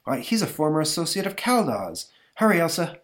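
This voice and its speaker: A man's voice: on the high side, very animated, brisk, voice pushed up. A man voicing a resolute, confident superhero from a comic book, speaking in an earnest, declamatory way.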